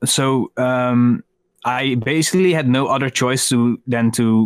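A man with a Dutch accent, medium in pitch, in a dry, close sound with no echo. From Netherlands, near Eindhoven. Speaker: graphic designer. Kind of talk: casual chat.

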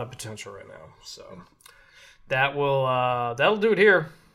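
Here a man speaks with fairly high pitch. His intonation is lively and his pace moderate. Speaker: sports podcast host. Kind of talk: casual sports podcast chat. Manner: sometimes uneven volume, tries to keep range smaller.

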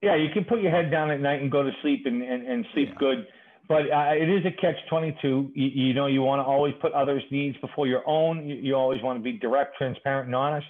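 A man with a Boston accent talks at a fairly quick pace with hardly any pauses. His fairly high pitch shows ordinary variation. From Boston, Charlestown. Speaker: real estate lender. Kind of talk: interview. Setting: podcast.

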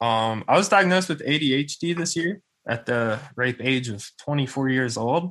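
A plain, everyday voice moves at a moderate pace with lively intonation. The recording is very clean, with a silent background. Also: man, medium pitch for a man. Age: 20s. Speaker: podcast co-host, music producer. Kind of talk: casual chat. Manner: casual, filler-heavy speech.

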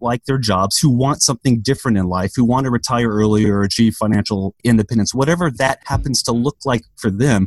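A man with a normal speaking voice talks at a fairly quick pace and medium pitch, the sound dry and close with no echo. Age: 30s. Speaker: early retiree and blogger. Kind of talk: panel discussion.

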